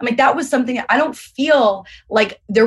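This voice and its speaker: Somewhat breathy delivery at a moderate pace. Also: woman. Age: 20s. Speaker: confidence coach and dating show creator. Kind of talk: casual interview chat. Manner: animated.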